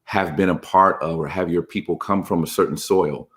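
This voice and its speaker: A man hosting a podcast, asking thoughtful, halting questions. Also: low-pitched, fairly even intonation, fairly bright tone. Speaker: podcast host. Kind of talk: podcast interview.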